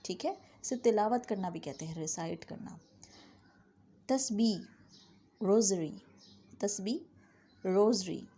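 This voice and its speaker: A woman teaching English vocabulary, saying each word pair twice and the English words slowly. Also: medium pitch, dark tone, husky. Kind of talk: vocabulary lesson.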